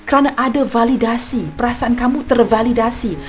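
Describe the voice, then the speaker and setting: Speaking a little high and briskly, this young tarot reader from Malaysia has a Malaysian Malay accent. She offers a general reading to her viewers, sounding earnest and apologetic while greeting them warmly as friends.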